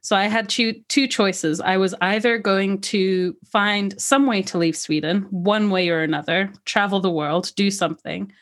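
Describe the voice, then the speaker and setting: A woman who grew up in Africa, with an accent that mixes American, British and Scottish traces, telling her life story lively in an interview and laughing often. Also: mid-range voice, moderate pace, few pauses. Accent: mixed, with American, British and Scottish traces. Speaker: podcast guest. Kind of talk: conversational interview.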